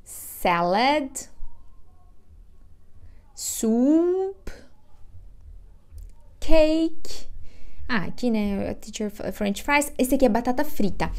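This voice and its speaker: Slow, higher-voiced Brazilian woman teaching English. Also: animated, darkish tone. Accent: Brazilian Portuguese. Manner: slow repeat-after-me drilling, chatty asides. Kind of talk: bilingual vocabulary lesson.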